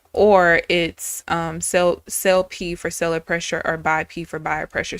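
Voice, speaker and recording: A woman's voice: fairly low pitch, a bit bright, no echo, studio quality. A woman in her thirties, a day trader chatting candidly and casually with viewers on a live stream. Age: 30s.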